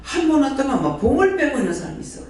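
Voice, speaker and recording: A man's voice: very high-pitched, sing-song, quick pace, a little mellow. A man preaching a sermon as prayer house director, firing repeated rhetorical questions at the congregation. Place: church hall. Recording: very echoey hall, voice from far off, faint noise.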